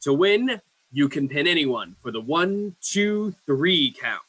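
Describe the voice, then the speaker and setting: A man playing a wrestling ring announcer with a husky voice in a staged reading. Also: on the high side, sing-song, slow, fairly bright tone, no echo, exaggerated voice, low-quality recording. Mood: showy. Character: wrestling ring announcer introducing a title match.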